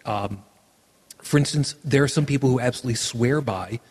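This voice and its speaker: A man's voice: mid-range voice, normal speed, darkish tone, breathy edge, in a large hall. A man hosting a podcast, rambling through his points with dry joking asides. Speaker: podcast host. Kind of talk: casual podcast conversation.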